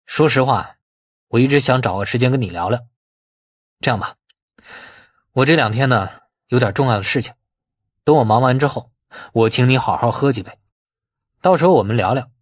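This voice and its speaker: A man voicing a shrewd, self-possessed young man in an audiobook, measured and dryly sardonic. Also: medium pitch, slightly rough, dry recording, studio quality, close to an everyday voice. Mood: conciliatory.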